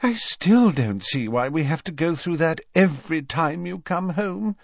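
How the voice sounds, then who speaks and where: A man voicing an anxious, fussy middle-aged witch mother who speaks in a stern, high-pitched way. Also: animated, measured pace, vocal fry, no room sound, full character voice. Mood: flustered. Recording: dull, dry lo-fi recording.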